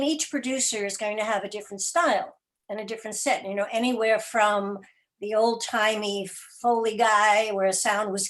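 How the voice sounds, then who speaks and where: A woman giving thoughtful, deliberate and articulate explanations as a producer being interviewed. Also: fairly high pitch, low-quality recording. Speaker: guest, radio drama podcast producer.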